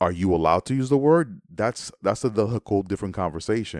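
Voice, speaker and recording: Recorded dry and close with no echo and a silent background, a man talks at a fairly quick pace on this very clean recording. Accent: New York. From New York City, the Bronx. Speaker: podcast co-host. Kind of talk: casual chat. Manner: halting.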